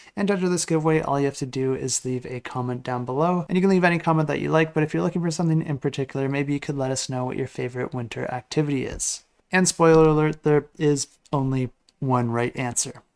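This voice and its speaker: Upbeat in tone, a man with a fairly high pitch talks at a very fast pace with ordinary pitch variation. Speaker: board game YouTuber. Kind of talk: scripted video narration.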